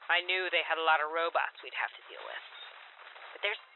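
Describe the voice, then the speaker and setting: A woman's voice: low voice, a little fast, lightly acted. Woman doing tough sarcastic wasteland lady, blunt, thin phone-like sound, bit of noise. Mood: irritated, defiant. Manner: blunt, wry. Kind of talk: full-cast audio drama acting. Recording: tinny phone-like broadcast with faint noise.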